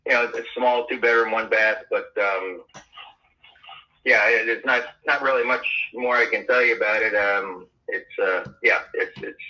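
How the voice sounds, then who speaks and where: A man's voice: fairly low pitch, fairly even intonation, moderate pace, pushed and bright. Hesitant man on a tinny phone line. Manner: hesitant, many fillers and restarts. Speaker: home seller on a call. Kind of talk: phone conversation.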